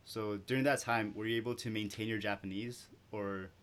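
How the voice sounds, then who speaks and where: A man's voice: on the low side, steady tone, a little fast, a bit bright. A man asking an interview guest curious, easygoing questions in a casual chat.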